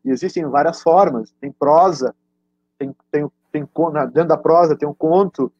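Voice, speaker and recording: The sound is dull and lo-fi, with very little room echo. A Brazilian man with a fairly high voice hosts a casual live lesson. He is hesitant and often repeats or restarts his words. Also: moderate pace, warm tone, soft background music. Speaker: host and teacher. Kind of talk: casual live stream hosting. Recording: dull, lo-fi online stream audio.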